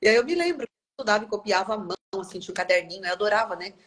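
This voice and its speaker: A woman's voice: medium pitch, animated, racing, fairly bright tone. A woman in her thirties hosting a casual interview over a video call from a small office, chatty, with many restarts. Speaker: interviewer host. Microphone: video call, webcam.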